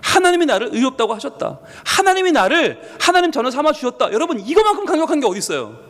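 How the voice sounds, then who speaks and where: Man, pastor, Busan accent, sermon, animated, echoing church hall. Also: very high-pitched, quick pace. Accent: Busan Korean. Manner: animated, acts out voices of God and parents, asks the congregation questions. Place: church sanctuary.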